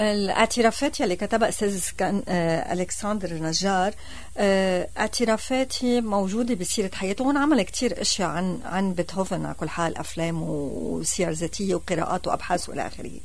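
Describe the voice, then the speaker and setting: A woman's plain, everyday voice, medium in pitch, at a moderate pace with ordinary pitch variation. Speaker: radio presenter. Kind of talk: radio interview hosting.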